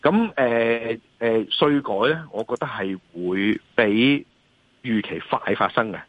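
Husky Hong Kong man, dull call line. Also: mid-range voice, slow, no echo. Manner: emphatic, repeatedly seeks agreement with rhetorical questions. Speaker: financial analyst and columnist, guest. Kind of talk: off-the-cuff market commentary in an interview.

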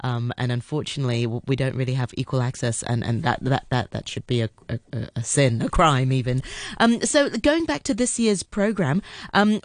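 A woman radio host who asks questions in a halting way and often repeats words as she thinks. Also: rumbling low, darkish tone, no echo. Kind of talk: hosting a radio interview.

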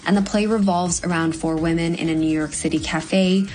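A woman's voice: lowish voice, steady tone, darkish tone, rough recording. Earnest young woman actor from Hong Kong. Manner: earnest, measured, with frequent ums. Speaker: guest actor. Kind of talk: interview answers.

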